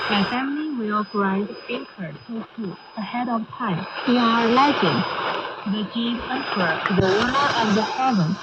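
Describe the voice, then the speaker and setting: A woman's voice: fairly high pitch, muffled recording. Woman guest on very noisy shortwave radio. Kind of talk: scripted read-aloud account.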